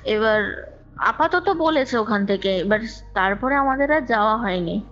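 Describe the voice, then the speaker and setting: A woman with a fairly high voice recounts her own experience in a chatty, emphatic way. She often repeats phrases and drops in English words. The sound is a dull, lo-fi call recording with music playing underneath. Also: lively intonation, unhurried, fairly bright tone. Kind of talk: conversational personal storytelling.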